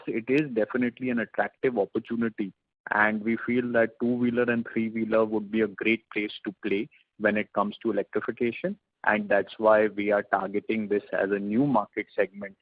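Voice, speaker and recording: A man with a low, husky voice comes through a narrow phone line with very little room sound. He talks like an executive on an investor call, giving measured, formal explanations. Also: no room sound. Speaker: company executive. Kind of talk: earnings call answers, business explanation.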